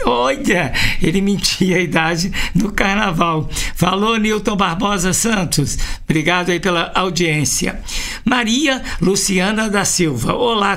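A man's voice: high voice, a bit bright. A man with a Brazilian Portuguese accent hosting a radio show, chatty and joking as he reads listener messages aloud. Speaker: radio host.

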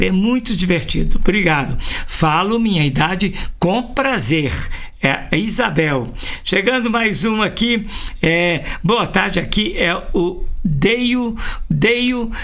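A man's voice: sits high, gravelly, a bit bright. A man with a Brazilian Portuguese accent hosting a radio show, chatty and joking as he reads listener messages aloud. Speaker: radio host.

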